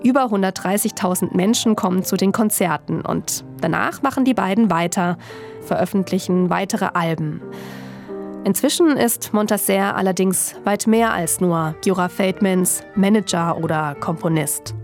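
Calm woman narrating a documentary. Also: mid-range voice, soft background music. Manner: calm, measured storytelling. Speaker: radio journalist and narrator.

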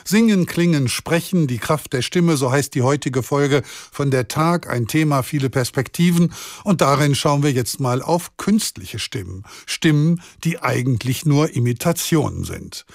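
A man hosting a radio news program with clear, measured moderation. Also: mid-range voice, lively intonation, no room sound, studio quality. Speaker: radio show host.

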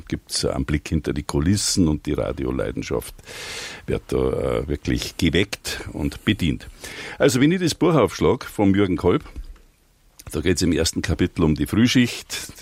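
Man, radio host; low voice, dry close studio mic, chatty and relaxed. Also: no echo. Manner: chatty, laughs easily, relaxed. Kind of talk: radio talk show interview. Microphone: studio microphone.

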